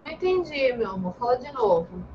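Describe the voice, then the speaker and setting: A Brazilian woman teaching young children over a video call, patient and gentle, calling pupils sweet names. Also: a little high, sing-song, a little fast, dull audio, a little hiss or hum. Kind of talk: online class for young children.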